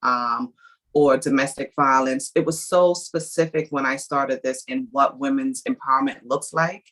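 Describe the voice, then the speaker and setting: In a Brooklyn accent, a woman with a very deep, low pitch speaks at a moderate pace. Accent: New York (Brooklyn). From Brooklyn, New York. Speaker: nonprofit founder and music studio owner. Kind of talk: interview conversation.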